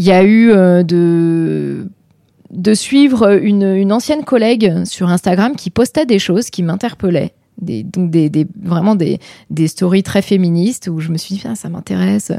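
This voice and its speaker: Speaking at a moderate pace, a woman has a medium pitch, a dark, mellow tone and ordinary pitch variation. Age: 30s. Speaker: podcast guest, mother and former nurse. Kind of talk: casual chat. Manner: halting.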